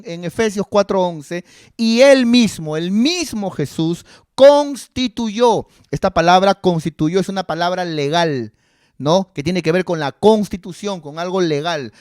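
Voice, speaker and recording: A man preaching to his congregation in a high, bright voice, leaning on rhetorical questions and acted-out quotes. His voice is recorded close and dry, with little room sound around it. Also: clear, resonant tone, no echo. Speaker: pastor. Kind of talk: sermon.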